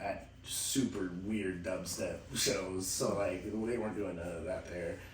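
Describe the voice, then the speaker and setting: Audible room echo surrounds the speech. The pace is very slow and the intonation fairly even. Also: man, very deep, low pitch for a man. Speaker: DJ. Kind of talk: casual chat.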